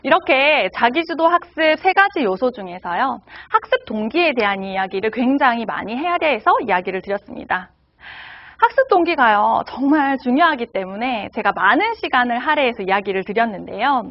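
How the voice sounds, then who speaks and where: Lively woman lecturing parents. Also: on the high side, a little fast, highs cut off. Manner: lively, poses rhetorical questions to the audience.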